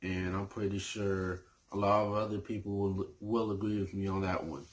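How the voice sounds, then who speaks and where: A man's voice: low voice, flat delivery, moderate pace, a little hiss or hum. A man chatting casually about his favorite movies for his channel, hesitant and full of fillers and restarts. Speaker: movie review YouTuber.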